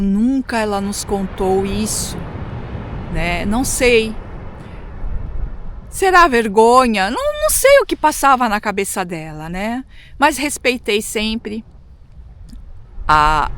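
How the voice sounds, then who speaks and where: Middle aged brazilian lady, kinda high voice, chatting casually like a vlogger telling family stories, bit of noise behind her. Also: a bit bright. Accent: Brazilian Portuguese. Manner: conversational, frequently seeking agreement with tag questions. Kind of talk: casual personal storytelling.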